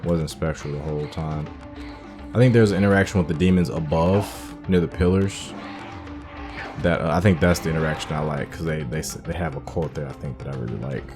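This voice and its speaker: On his gaming channel, a man with a very low voice offers relaxed let's-play commentary at a fairly quick pace. He muses aloud about the story, working through his thoughts as he plays, while game music plays faintly underneath.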